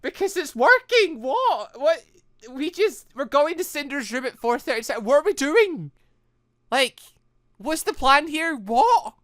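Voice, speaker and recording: A gaming video host giving rambling, excited, giggly reaction commentary over a visual novel, close on the microphone. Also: high voice, unhurried, no room sound.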